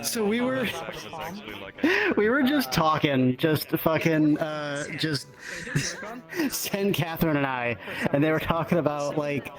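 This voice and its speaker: A man's voice: fairly high pitch, expressive, slow pace, rough recording. A man who runs tabletop games, telling a rambling story over voice chat and laughing through his words. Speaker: dungeon master. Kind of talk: excited casual storytelling. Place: VR chat session with other players talking.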